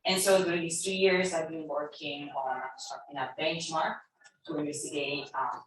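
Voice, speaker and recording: Low-voiced woman, distant echoey room. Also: steady tone, moderate pace. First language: Italian. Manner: thoughtful, hesitant, with fillers. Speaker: panelist. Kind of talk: panel self-introduction. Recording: echoey distant room mic, faint noise.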